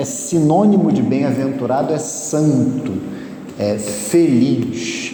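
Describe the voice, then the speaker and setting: Someone talks at a very slow pace over noticeable background noise. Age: 30s. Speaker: catechism teacher. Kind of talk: lecture. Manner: halting.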